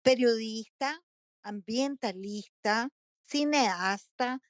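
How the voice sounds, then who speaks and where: Bright-voiced woman podcast host. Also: on the high side, very slow, no room sound, studio quality. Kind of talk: casual interview chat.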